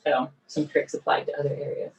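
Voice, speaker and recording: A chatty woman co-hosting a podcast, her voice sitting low for a woman. She talks casually and loosely, with plenty of "like". She sounds a little distant from the microphone. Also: level tone, a little fast, gravelly, slight background noise. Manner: chatty, uses "like" a lot. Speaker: podcast co-host.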